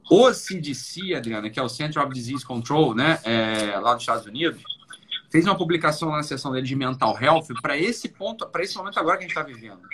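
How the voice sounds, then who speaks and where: Man, live stream host, blunt and insistent, bright and sharp tone. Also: a little high, expressive, fast talker, slight background noise. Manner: insistent, repetitive, blunt with swearing. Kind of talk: emphatic casual talk.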